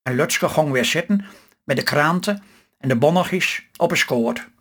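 A man reading aloud his own humorous story in Stellingwerf dialect, with a steady homely storytelling manner. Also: a little high, a little slow. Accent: Stellingwerf Low Saxon dialect.

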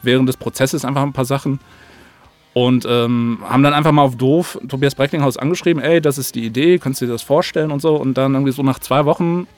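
A man from Germany with a mid-pitched voice speaks as a guest in a relaxed interview. His talk is colloquial and rambles loosely from one thought to the next. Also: fast talker. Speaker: audio drama maker, interview guest. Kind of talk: casual chat.

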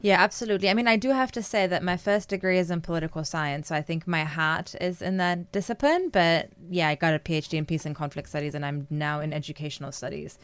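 Woman, academic guest, raised in Germany, smooth clear voice, lowish pitch, reflective and articulate. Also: fast, hardly any pauses, no room sound. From Iran, raised in Germany. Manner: articulate and reflective, laughs lightly. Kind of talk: interview answers. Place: podcast studio. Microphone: studio mic.

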